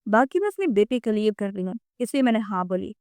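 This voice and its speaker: A woman reading the part of a proud young wife who speaks in a flat, composed way. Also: medium pitch, no room sound, studio quality, natural voice. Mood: cold.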